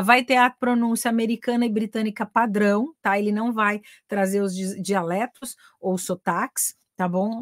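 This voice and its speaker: A woman's voice: medium pitch, dry recording, clean studio sound. A Brazilian woman teaching English online. She talks in a chatty way, explains things step by step and keeps checking in with her viewers.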